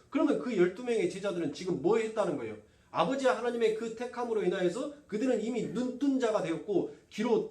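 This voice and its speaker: A man's voice: high voice, a little mellow. A man preaching a sermon, asking the congregation questions and answering them himself. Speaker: pastor. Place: church sanctuary. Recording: roomy church from a distance.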